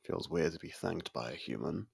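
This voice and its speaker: A man playing an aloof centuries-old vampire who grudgingly cares for a human, in an intimate ASMR roleplay, gravelly, husky and measured with a slightly haughty, halting delivery. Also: extremely low pitch, lively intonation, heavily acted. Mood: awkward, haughty.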